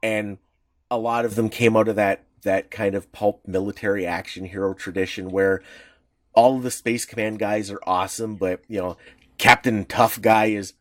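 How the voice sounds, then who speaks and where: Low-voiced man rambling about comics. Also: moderate pace, dry recording, clean studio sound. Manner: rambling, animated explainer with many fillers. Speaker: podcast co-host. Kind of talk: casual podcast chat.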